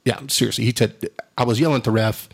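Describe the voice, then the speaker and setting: Fast-talking and animated, a middle-aged man with a drawl spins stories in casual conversation, laughing often and throwing "dude" into almost every line. His voice booms with a husky grain at a medium pitch for a man.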